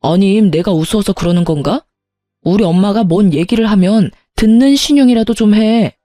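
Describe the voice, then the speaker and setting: Huffy defensive husband, woman doing his voice, accusing, dry mellow sound. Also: medium pitch, moderate pace, dry recording, soft background music, natural voice. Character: irritated husband, defensive and sulky.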